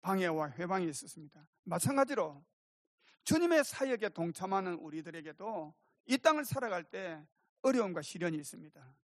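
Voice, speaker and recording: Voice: medium pitch, dry recording, clean studio sound. A pastor preaching a sermon emphatically, calling for amens and speaking directly to the congregation. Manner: emphatic preaching with calls for amen.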